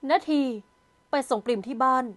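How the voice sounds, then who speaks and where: A woman's voice: normal speed, dry recording, natural voice. A woman voicing a stern, cold young man in an audio novel who speaks in clipped, curt orders.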